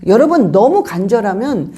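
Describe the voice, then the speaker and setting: A woman's voice: medium pitch, sing-song, normal speed, mellow. A woman pastor preaching a sermon, emphatic and full of rhetorical questions to the congregation.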